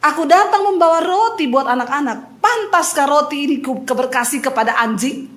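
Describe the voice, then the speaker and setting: Brief: calm Jesus, measured sermon quote, a woman voicing him, high voice. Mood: solemn. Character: Jesus, calm grown man speaking.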